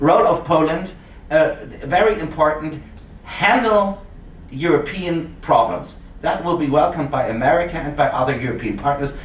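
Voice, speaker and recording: A man's fairly high voice at a moderate pace, with ordinary pitch variation, noticeable background noise and audible room echo. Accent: German. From Germany. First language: German. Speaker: diplomat. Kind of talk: panel discussion. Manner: halting.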